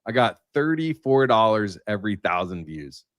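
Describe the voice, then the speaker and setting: Guy on a livestream panel, lowish voice, dry sound, just chatting. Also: sing-song, moderate pace, fairly bright tone, no echo. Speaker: livestream panelist and content creator. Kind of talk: casual livestream roundtable chat.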